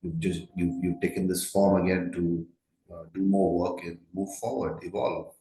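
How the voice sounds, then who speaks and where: A deep-voiced man with an Indian accent interviews a guest conversationally. He is reflective and affirming, pausing as he forms his thoughts. The room around his voice is noticeably echoey. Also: steady tone, dark tone, slight background noise. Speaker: podcast host, interviewer.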